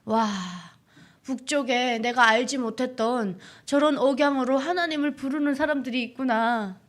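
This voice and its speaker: A young woman from North Korea giving an earnest church testimony, speaking straight to the congregation and sometimes dropping to a hushed whisper. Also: high-pitched, steady tone, normal speed. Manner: earnest, addresses audience often, drops to a hushed whisper.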